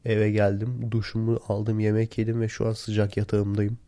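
A man with a hoarse, worn-out voice, sick and tired, chatting casually alone into a close recorder. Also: fairly low pitch, monotone, normal speed, dark tone, no echo. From Turkey. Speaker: podcast host. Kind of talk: casual solo podcast chat. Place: in bed at home. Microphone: handheld voice recorder, close.

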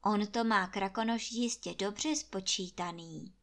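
A woman reading a fairy tale aloud, narrating in a lively, expressive way. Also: mid-range voice. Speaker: storyteller.

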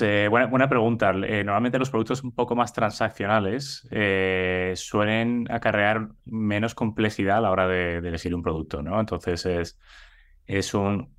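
Man with a Madrid accent, deep low voice, thoughtful, hesitant interview guest. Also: a bit bright. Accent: Madrid Spanish. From Madrid, Spain. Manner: measured, thoughtful, many hesitations and repeated words. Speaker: guest, head of sales. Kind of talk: interview answers.

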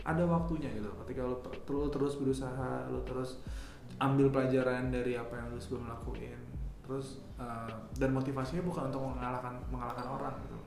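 A man's voice: mid-range voice, fairly even intonation, a little fast, gravelly, a little mellow, faint music behind. A man hosting a casual podcast, slangy and laughing often. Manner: slangy, laughs often, talks to listeners as guys. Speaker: podcast host. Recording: echoey room with faint ambience.

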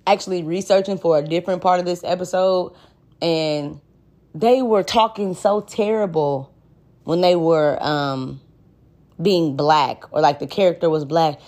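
A woman's voice: lowish voice, measured pace, a little mellow. A woman with an African American accent talking in a candid, casual podcast monologue, blunt and slangy with plenty of swearing. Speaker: podcast host.

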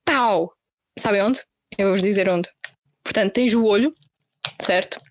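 A young woman with a European Portuguese accent, casually telling friends a story in slangy, animated style with acted-out quotes. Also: medium pitch, unhurried, no echo.

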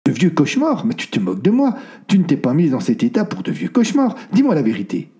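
Man reading as a worried young doc, stammers a bit then pushes hard, dark warm voice. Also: a little high, huge pitch swings, fast talker, voice pushed up. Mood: pressing. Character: young male doctor, troubled and insistent.

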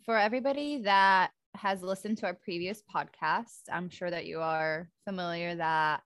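A woman's voice: on the low side, steady tone, normal speed, a bit bright, no echo, clean studio sound. A young woman from Poland co-hosting a podcast, chatting casually and giggling often. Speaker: podcast co-host. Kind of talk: casual chat.

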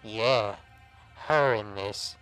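An actor playing a monstrous transformed old pal in a noir horror audio drama, taunting and warning in drawn-out, insinuating gangster slang. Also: male voice, fairly low pitch, a bit bright, soft background music. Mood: taunting, ominous.

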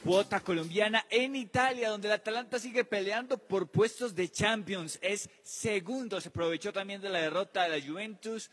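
A husky-voiced man presents a football round-up in a high register. His delivery is emphatic, with stretched words, and the recording carries long reverb. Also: normal speed, hardly any pauses, fairly bright tone, soft background music. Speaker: international football news presenter. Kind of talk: sports news round-up narration.

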